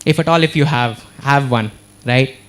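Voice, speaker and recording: A man's voice: mid-range voice, normal speed. A man with an Indian English accent, giving a motivational talk to students and keeping the room with him through constant questions back to the audience. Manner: earnest, keeps checking in with the audience. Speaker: motivational speaker. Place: university auditorium.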